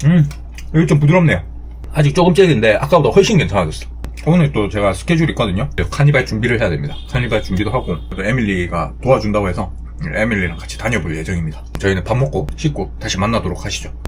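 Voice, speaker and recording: The speech comes very fast, with audible room echo and noticeable background noise. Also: man. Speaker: travel vlogger. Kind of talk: casual vlog narration. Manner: animated.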